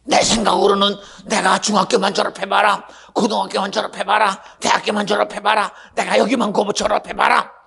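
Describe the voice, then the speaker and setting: Gravelly, fiery preaching pastor man. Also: high voice, little pitch movement, brisk, hardly any pauses. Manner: swings between shouting and whispering, acts out quoted speech. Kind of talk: sermon.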